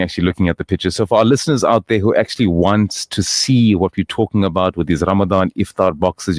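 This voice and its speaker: A man hosts a radio interview, talking quickly with an upbeat, chatty manner. His voice sits fairly low, and the studio sound is dry and close. He banters easily and reads out listener messages. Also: no echo. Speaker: radio show host. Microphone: studio microphone.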